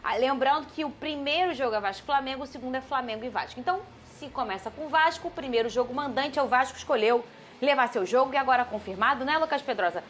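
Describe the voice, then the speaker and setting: High-voiced Brazilian TV sports host. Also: female voice, fast talker, faint music behind. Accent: Brazilian Portuguese. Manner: lively, prompting questions. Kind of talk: studio sports debate.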